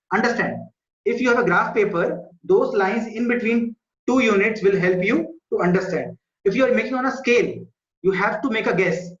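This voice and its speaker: High-voiced South Asian male teacher, echoey. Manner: repetitive, checks understanding with short questions. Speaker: school maths teacher. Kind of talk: live online class lesson, explaining step by step. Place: indoor room, online video class. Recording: muffled, echoey online class audio.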